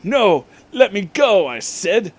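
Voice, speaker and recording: Man playing young heroine, melodramatic, exclaiming, raised pitch, slow delivery, comic story reading. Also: very animated, heavily acted. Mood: overdramatic. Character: melodramatic young heroine narrator of badly written fan fiction.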